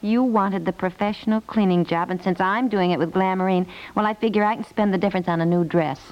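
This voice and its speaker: A woman playing a brisk, fussing American wife and mother in 1950s radio comedy, chatty and insistent. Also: medium pitch, close to an everyday voice. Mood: cheerful, persuasive. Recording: dull 1950s radio recording.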